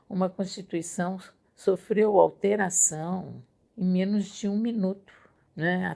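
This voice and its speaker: Speaking very slowly with long, frequent pauses, a woman of medium pitch keeps a monotone, flat intonation. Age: 70s. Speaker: feminist activist. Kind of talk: testimony.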